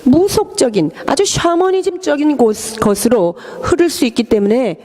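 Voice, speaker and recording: A woman's voice: sits high, big pitch swings, normal speed, dark tone. A woman interpreting a sermon live in a church, explaining each point in an emphatic preaching tone.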